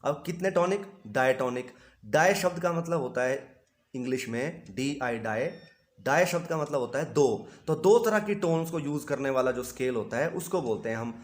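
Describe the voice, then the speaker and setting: A man's voice: medium pitch, expressive, moderate pace. A man teaching music theory as a patient teacher who poses questions to his students and answers them himself, playing notes on an instrument between phrases. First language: Hindi. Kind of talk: explanatory music lesson.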